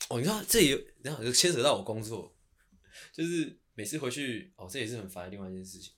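A man co-hosting a podcast in casual chat, excitable and given to sudden loud bursts. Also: medium pitch, fast. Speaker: podcast co-host.

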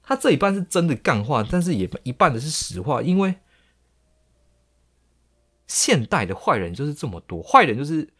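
A man with a Taiwanese Mandarin accent, hosting a podcast and telling a story in an animated, mocking way full of crude slang. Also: a little high, moderate pace, pauses often. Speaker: podcast host. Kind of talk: storytelling monologue.

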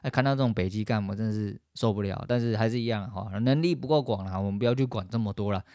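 A man's voice: lowish voice, quick pace, dark tone, no room sound, studio quality. A man with a Taiwanese Mandarin accent hosting a solo podcast, ranting angrily and swearing constantly. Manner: angry, profane ranting. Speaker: podcast host.

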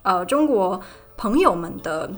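A woman's voice: mid-range voice, sing-song, measured pace. A young woman in her twenties with a Taiwanese Mandarin accent, hosting a casual podcast and ranting in a chatty monologue. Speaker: podcast host. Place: student dorm room. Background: faint background music.

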